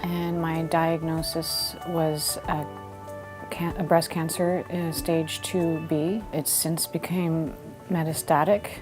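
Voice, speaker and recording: A woman in her forties giving thoughtful, deliberate personal testimony in an interview. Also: sits low, level tone, music in the background. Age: 40s.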